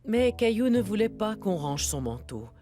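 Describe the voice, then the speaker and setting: A woman playing a gentle storyteller, narrating a children's cartoon in a tender, expressive way. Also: mid-range voice, moderate pace, soft background music, close to an everyday voice. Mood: gentle storytelling. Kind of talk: scripted narration for small children.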